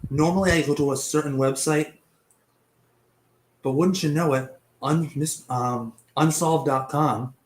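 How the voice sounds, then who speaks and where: A man's voice: fairly high pitch, measured pace, low-quality recording. A young man hosting a casual online mystery show, chatty and a bit profane, stumbling over names, with a cough and a partly lost voice. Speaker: host. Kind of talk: casual web show narration.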